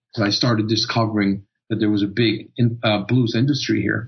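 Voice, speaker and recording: A man's fairly low, somewhat breathy voice moves at a fairly quick pace with fairly even intonation. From Costa Rica. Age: 30s. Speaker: blues guitarist. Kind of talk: interview.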